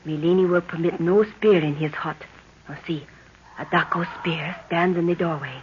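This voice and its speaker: A woman's voice: on the low side, fairly even intonation, normal speed, close to an everyday voice. An actress playing a commanding tribal witch woman in a 1930s radio serial, speaking in formal, incantatory phrases. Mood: grave, urgent. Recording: muffled, noisy 1930s radio recording.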